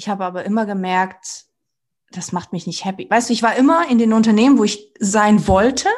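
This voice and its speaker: At a fairly quick pace, a woman speaks with a fairly high pitch and ordinary pitch variation against a quiet background. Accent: slight Swabian. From Germany, near Stuttgart (Swabia), Portuguese parents. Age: 30s. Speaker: women's coach. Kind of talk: interview.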